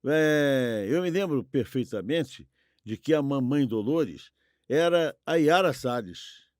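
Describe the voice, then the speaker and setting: A man's voice: mid-range voice, animated, takes it slowly, a little mellow, no room sound. Older man, dry close sound. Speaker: podcast co-host. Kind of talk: casual reminiscing chat.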